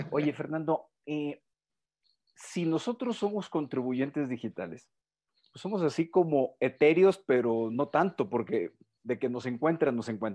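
Against a quiet background, a man with a fairly high pitch and a dark, mellow tone speaks with lively intonation and big swings in loudness. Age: 60s. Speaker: lawyer and webinar host. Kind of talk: online interview.

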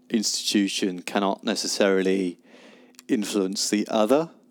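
Speaking at a fairly slow pace with an English accent, a man uses a fairly low pitch, fairly even intonation and very even loudness. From England. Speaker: podcast host. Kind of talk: casual discussion.

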